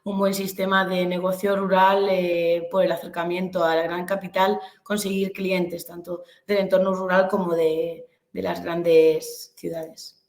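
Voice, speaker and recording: This business instructor from Albacete, Spain, speaks with a Castilian accent in a casual webinar, hesitating and hunting for the right words. Her voice is lowish and darkish, with little pitch movement, a slightly slow pace and few pauses. Echo from the room is audible.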